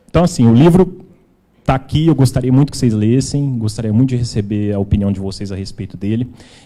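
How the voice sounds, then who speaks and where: In a São Paulo interior accent, a man with a dark, mellow tone talks with long, frequent pauses. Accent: caipira (countryside São Paulo state). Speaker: author, theatre researcher. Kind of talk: book launch talk. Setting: bookshop event with audience. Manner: hesitant, with fillers.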